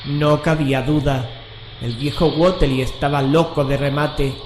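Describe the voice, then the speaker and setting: Male narrator for horror radio drama: slightly high voice, solemn, literary, measured, roomy sound. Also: fairly even intonation. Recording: echoey room, clear background noise.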